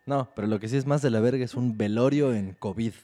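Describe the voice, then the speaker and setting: A man's voice: mid-range voice, fast talker, crowd noise. A man with a Mexican Spanish accent making blunt, profane retorts in casual chat.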